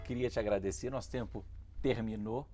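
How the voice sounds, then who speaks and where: Low-voiced male TV interviewer. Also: steady tone, a little fast, warm tone, soft background music. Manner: friendly, scripted segment links. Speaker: TV show host. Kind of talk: interview hosting.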